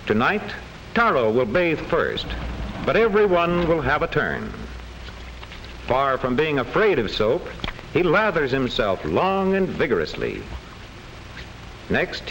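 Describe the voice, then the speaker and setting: A man's voice: mid-range voice, fairly bright tone, a little hiss or hum, poor audio. A man reads scripted narration for a vintage educational classroom film.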